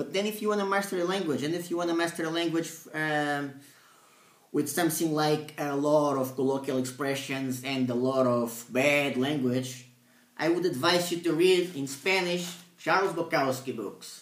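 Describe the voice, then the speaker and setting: Amid audible room echo, a man in a Portuguese accent speaks at a moderate pace and fairly high pitch with ordinary pitch variation. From Portugal. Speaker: language learning vlogger. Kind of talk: casual vlog monologue. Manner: hesitant, many fillers.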